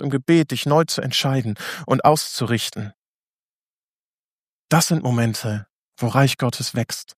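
High-voiced man preaching a sermon. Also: dry recording, studio quality. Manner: earnest, direct address with rhetorical questions.

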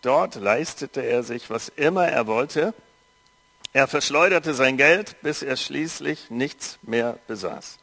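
A man slowly reading a Bible story aloud and preaching on it, giving the quoted voices some life, then turning to reflective, conversational asides. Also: medium pitch, creaky, slightly rough. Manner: slow, measured reading with lively quoted speech.

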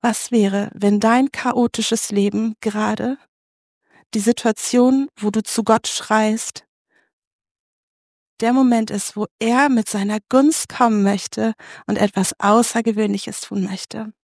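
A woman in her thirties gives an open, emotional testimony as a sermon. Her voice sits fairly high, and the recording is dry and close. She keeps turning to her listeners with direct questions. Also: steady tone, takes it slowly, darkish tone, no room sound. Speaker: preacher.

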